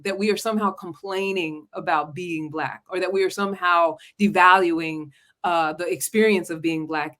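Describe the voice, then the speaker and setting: American woman host, lowish voice, enthusiastic and chatty, keeps saying she loves it. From United States. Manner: warm, affirming, enthusiastic, chatty. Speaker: podcast host and relationship coach. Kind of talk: podcast interview.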